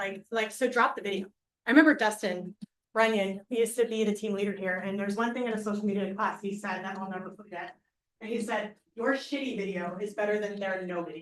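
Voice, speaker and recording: This woman talks very fast. Her pitch sits in the medium range. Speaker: real estate agent and trainer. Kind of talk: workshop training talk. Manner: casual, filler-heavy.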